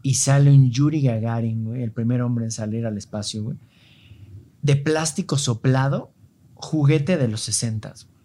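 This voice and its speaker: A man with a Mexican accent telling travel stories in an animated way, heavy with slang, in a casual podcast chat. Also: medium pitch, moderate pace.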